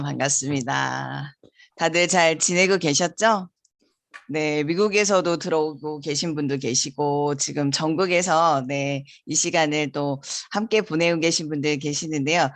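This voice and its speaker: A woman's voice: low-pitched, no echo. A woman in her forties giving a motivational seminar talk over a video call, chatty and often laughing between sentences. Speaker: guest lecturer. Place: home in the rain, on a video call.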